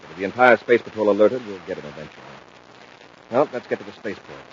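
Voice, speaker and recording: Male actor as decisive space hero commander, fast authoritative delivery, 1950s radio serial, muffled hissy recording. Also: lowish voice, expressive, lightly acted. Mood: resolute. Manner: brisk, authoritative. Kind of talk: 1950s radio adventure acting.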